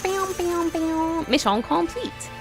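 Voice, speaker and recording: A woman with a Southern US accent giving casual, playful commentary as she plays a video game, reacting out loud and laughing easily. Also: very high-pitched, lively intonation, slow pace. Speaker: let's play streamer. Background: faint game music.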